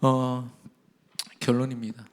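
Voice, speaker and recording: A man's voice: mid-range voice, flat delivery, slow. A man in his thirties or forties, a pastor preaching a sermon at a church service. He speaks emphatically, addresses the congregation directly and slips into chatty family stories. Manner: tells family anecdotes in a chatty way.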